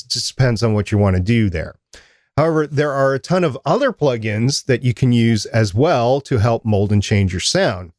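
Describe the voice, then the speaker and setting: A man with a mid-pitched voice co-hosts a podcast, talking through audio gear in a relaxed, explanatory way. He likes to pose rhetorical questions and then answer them. The sound is dry and close, with no room echo. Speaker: podcast co-host. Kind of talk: casual instructional chat.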